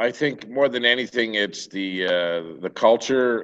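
The man talks at a fairly slow pace with ordinary pitch variation. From Canadian Maritimes. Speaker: town mayor. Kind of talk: interview. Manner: halting, many fillers.

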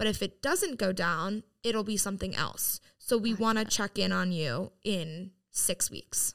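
In a very clean recording with a silent background, a woman with an American accent speaks with hardly any pauses. Her medium-pitched voice has vocal fry and ordinary pitch variation. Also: fairly slow pace. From US Mid-Atlantic (Bethesda, Maryland). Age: 20s. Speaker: nonprofit founder and university student. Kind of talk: casual interview.

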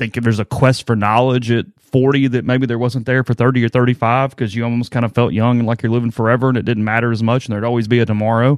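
A man's medium-pitched, monotone voice with flat intonation, at a very fast pace with hardly any pauses. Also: dry, close sound with no echo, quiet background. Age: 30s. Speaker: sports podcast co-host. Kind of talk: casual chat. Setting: studio.

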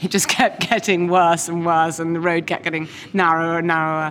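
A woman with an English accent, at a fairly quick pace. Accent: posh English (RP). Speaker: newspaper columnist. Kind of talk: casual chat. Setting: restaurant. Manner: animated.

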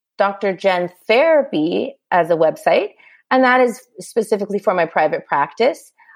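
This woman takes a fairly slow pace. Her pitch swings across a very wide range. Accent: Californian. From Southern California. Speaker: psychologist. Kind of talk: interview. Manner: animated.

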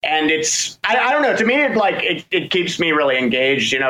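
A man speaks with an American accent at a fairly quick pace, his pitch fairly high. It is a normal speaking voice. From Maryland, US. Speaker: musician, band guitarist and vocalist. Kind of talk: casual interview chat.

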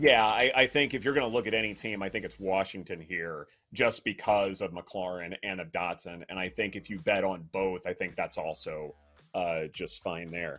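A man speaks at a moderate pace in a fairly low pitch with ordinary pitch variation. Music plays in the background. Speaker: sports betting podcast host. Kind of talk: casual sports betting chat.

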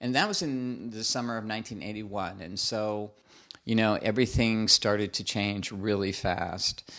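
A plain, everyday voice, fairly even intonation, moderate pace. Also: man, fairly low pitch for a man. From US Mountain West, Denver. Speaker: nightclub owner. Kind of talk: casual interview chat.

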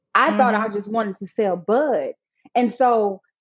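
In a plain, everyday voice, a woman with an American accent speaks at a moderate pace and fairly high pitch, the sound dry and close with no echo. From US South, Atlanta, Georgia. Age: young. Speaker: entrepreneur. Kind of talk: casual interview.

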